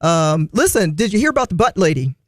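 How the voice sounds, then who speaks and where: A man's voice: high voice, sing-song, a little fast, no room sound. Man, radio morning host, playful, chatty, laughs often, dry studio mic. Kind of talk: casual radio banter. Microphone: studio microphone.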